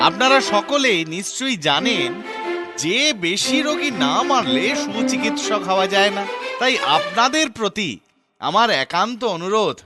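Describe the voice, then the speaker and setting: A male actor as a confident, witty court jester from a cartoon. His voice is high and swings about in lively fashion, courteous with a sly edge. Music plays underneath. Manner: animated, theatrical, politely sly. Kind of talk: children's cartoon voice acting.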